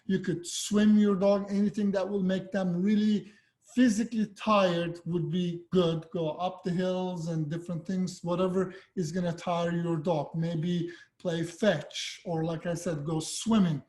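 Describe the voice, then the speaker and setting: High-voiced man giving dog-training tips. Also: fairly even intonation, a little slow, a little mellow. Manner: friendly, direct, loose and conversational. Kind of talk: casual tips video.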